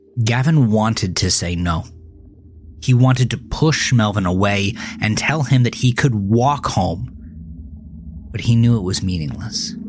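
Over noticeable background noise, a man in a medium pitch speaks at a fairly slow pace with a dramatic tone and long, frequent pauses. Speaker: horror fiction author reading his own stories as podcast host.

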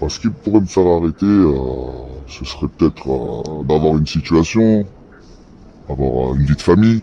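Speaking at a moderate pace, a man uses a very deep, low voice with lively intonation and long, frequent pauses. Noticeable background noise runs underneath. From France, Lyon. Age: 30s. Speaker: drug dealer. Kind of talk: interview. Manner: halting.

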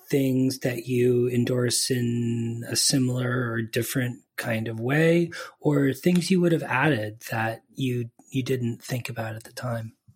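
A man with an ordinary speaking voice at a medium pitch talks at a fairly slow pace with hardly any pauses, ordinary pitch variation and big swings in loudness. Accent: American. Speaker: podcast host and law professor. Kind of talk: casual interview.

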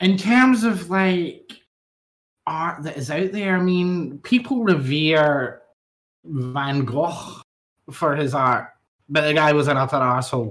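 In a Scottish accent, the speaker talks very slowly with lively intonation and long, frequent pauses. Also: woman, very deep, low pitch for a woman. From Scotland. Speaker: Twitch streamer and video editor. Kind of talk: casual chat.

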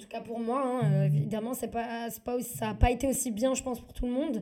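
A woman's voice, fairly high in pitch, carries a dark, mellow tone and fairly even intonation. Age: 20s. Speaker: podcast host, recent master's graduate. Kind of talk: casual solo podcast talk.

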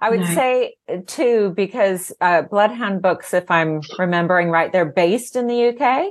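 Against a quiet background, a woman uses a normal speaking voice at a medium pitch and a fairly slow pace. Her intonation is lively and her loudness very even. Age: 50s. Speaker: podcast host and literary agent. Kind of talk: casual interview chat; scripted intro narration.

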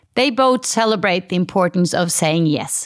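Here a woman speaks with a Norwegian accent at a medium pitch and a moderate pace, her pitch varying in an ordinary way. The recording is very clean, with a silent background. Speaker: podcast host. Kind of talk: interview; scripted narration.

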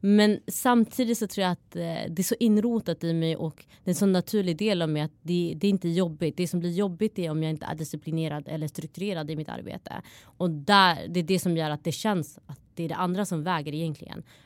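Speaking with a normal speaking voice, a woman talks at a fairly quick pace and fairly low pitch with ordinary pitch variation, in a dry, close sound with no echo. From Malmö, southern Sweden. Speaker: social entrepreneur, co-founder of a nonprofit. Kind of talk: interview conversation. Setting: hotel, podcast recording.

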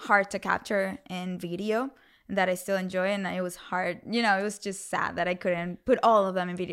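A woman with a Latin American accent at a moderate pace, in a very clean recording with a silent background. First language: Spanish. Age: 30s. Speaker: motivational speaker and author. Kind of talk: casual interview. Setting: at home.

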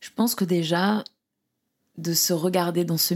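A woman's fairly low voice in a Portuguese accent, dry and close with no echo. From Brazil (Rio). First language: Portuguese (speaking French). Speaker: astrologer. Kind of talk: interview.

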